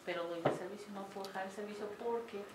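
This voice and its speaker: A woman with a Mexican accent, a student talking quickly about her own case. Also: mid-range voice, far from the mic. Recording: echoey room, noisy.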